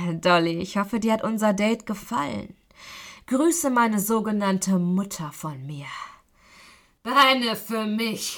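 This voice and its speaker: A woman's medium-pitched voice with lively intonation, a fairly slow pace and long, frequent pauses. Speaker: audiobook narrator and podcaster. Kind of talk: audiobook narration, reading a mystery story aloud in first person. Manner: calm, soothing, storytelling pace with dramatic emphasis.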